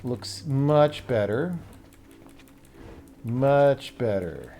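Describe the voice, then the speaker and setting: A man with a fairly high, darkish voice live streams himself programming a game, thinking aloud in short, casual fragments. His off-the-cuff coding commentary is blunt and sardonic, peppered with casual swearing.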